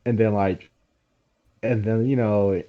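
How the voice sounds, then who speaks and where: A man's voice: fairly low pitch, fairly even intonation, takes it slowly. A young man hosting a reaction video, chatting loosely with profanity and jokes. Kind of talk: casual chat. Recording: dull lo-fi audio.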